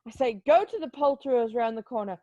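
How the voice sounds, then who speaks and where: A woman's voice: a little high, lively intonation, fast talker, mellow, no room sound, lo-fi sound, close to an everyday voice. A woman playing an old male miser, giddily reformed and penitent, in an amateur dramatic reading full of exclamations. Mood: giddy joy. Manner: exclamatory, effusive.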